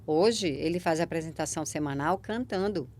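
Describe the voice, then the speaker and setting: A woman with a Brazilian Portuguese accent hosts a conversational podcast interview, speaking emphatically and encouragingly. She often checks in with the listener using tag questions. Her voice is low and a little mellow, and she talks fairly quickly.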